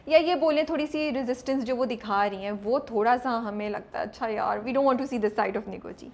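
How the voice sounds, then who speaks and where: A woman's voice: on the high side, moderate pace. A woman with a Pakistani accent doing a casual interview, probing and moving between two languages. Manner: mixes Urdu and English, probing.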